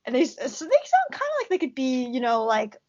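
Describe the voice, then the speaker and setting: A woman with a high, bright-sounding voice talks as a podcast guest. She speaks in animated, giggly bursts. The sound is muffled and lo-fi, like call audio. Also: fairly quick. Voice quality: high-pitched voice. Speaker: podcast guest, journalist and tarot reader. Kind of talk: casual chat over a call. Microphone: remote call audio.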